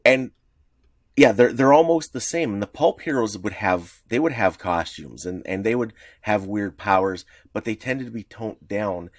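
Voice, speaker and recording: A man co-hosting a casual podcast, explaining in a rambling, halting way full of restarts. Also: on the low side, animated, no echo, clean studio sound. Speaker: podcast co-host.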